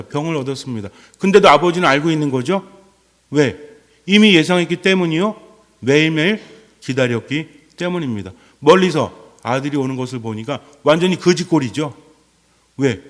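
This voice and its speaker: Male Catholic priest, sermon; poses questions, answers them himself; slightly high voice, long hall reverb.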